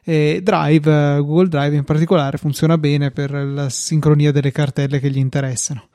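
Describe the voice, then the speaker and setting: An Italian man speaks as a podcast host in a conversational, explanatory style. His voice sits a little high for a man and is very mellow, recorded dry and close. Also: flat delivery, moderate pace, dry recording. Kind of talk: conversational tech commentary, reading out listener mail.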